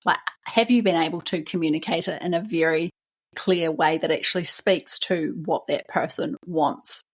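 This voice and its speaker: A New Zealand woman talks through her solo podcast episode in a chatty, encouraging way, often dropping in "you know." Her voice sits on the lower side and has a slightly husky edge. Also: normal speed. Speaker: podcast host.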